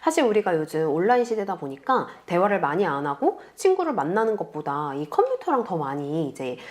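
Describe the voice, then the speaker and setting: A woman teaching beginners step by step in a calm, patient screen tutorial, speaking close to the mic. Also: lowish voice. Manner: patient, explains slowly to beginners. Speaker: online tutor.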